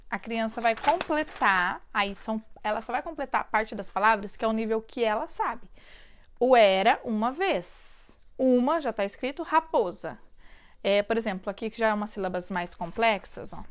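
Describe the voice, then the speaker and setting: A woman in her thirties from Brazil, a literacy teacher explaining her classroom method, slowing down to spell out syllables and words. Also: fairly high pitch, fairly bright tone.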